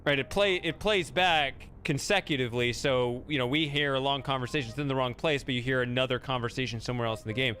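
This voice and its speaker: A man's voice: medium pitch, quick pace, hardly any pauses, sharp tone. A man giving casual, amused commentary as host of a gameplay video. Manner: amused, giggly.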